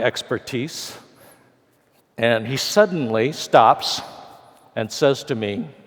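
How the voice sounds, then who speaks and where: A man with an American accent speaks at a very slow pace and medium pitch, with ordinary pitch variation. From US, California. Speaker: author and guest lecturer. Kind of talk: lecture. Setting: church hall with audience. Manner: animated storytelling.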